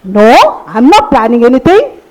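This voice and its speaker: An odd, polite but stubborn woman as acted by a woman in a comic stage play. Her voice is extremely high, and she talks in a hesitant, defensive way. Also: wildly swooping pitch, measured pace, a little mellow, heavily acted, poor audio. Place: live stage at a literature festival.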